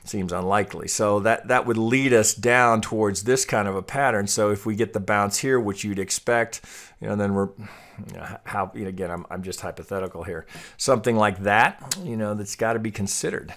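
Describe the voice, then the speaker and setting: A man giving an off-the-cuff trading chart tutorial, thinking aloud in a halting way and often repeating his words. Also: fairly low pitch, a bit bright. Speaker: trading analyst and host.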